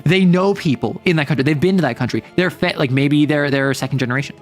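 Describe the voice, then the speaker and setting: A man's voice: on the high side, fast, soft background music. Rambling, wry American man streamer. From United States. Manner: rambling, self-interrupting, wry. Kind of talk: casual livestream chat.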